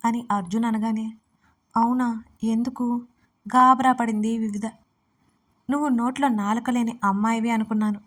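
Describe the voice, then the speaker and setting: A woman narrating a romantic story and reading both lovers' lines herself. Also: on the high side. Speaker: writer and narrator.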